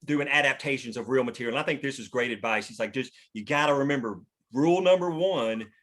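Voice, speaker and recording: A man's voice: medium pitch, quick pace, fairly bright tone. Emphatic man talking shop casually. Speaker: screenwriter leading a script table read. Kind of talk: casual discussion.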